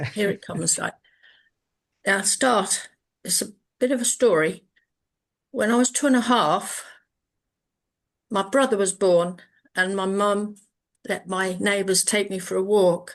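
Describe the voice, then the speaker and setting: Speaking in an English accent at a medium pitch, a woman goes at a fairly slow pace with ordinary pitch variation and long, frequent pauses. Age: 80s+. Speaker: participant sharing a testimony. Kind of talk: personal testimony.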